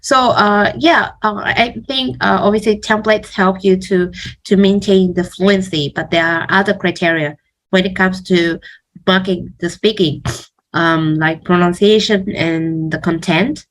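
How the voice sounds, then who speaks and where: A woman's voice: medium pitch, fairly even intonation, unhurried, low-quality recording. A woman test coach talking casually in a question-and-answer discussion, hesitantly, often repeating words as she goes.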